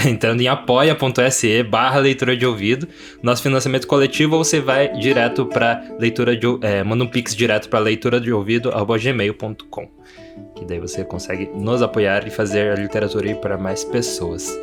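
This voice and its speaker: A man's voice: medium pitch, steady tone, brisk. A man with a Brazilian accent chatting casually as a podcast co-host, informal and loosely improvised. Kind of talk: casual chat. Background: instrumental guitar music.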